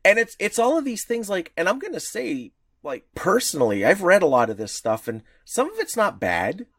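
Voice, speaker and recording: A man co-hosting a podcast in casual chat, opinionated and animated, swearing freely. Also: high-pitched, normal speed, no echo, clean studio sound. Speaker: podcast co-host.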